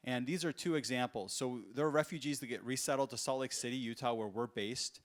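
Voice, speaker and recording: A man's voice: medium pitch, brisk. Guy giving an earnest keynote, plain mid voice, lots of um and uh. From United States. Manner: earnest, personal, with frequent fillers and restarts. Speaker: entrepreneur giving a conference talk. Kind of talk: conference keynote storytelling. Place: conference stage.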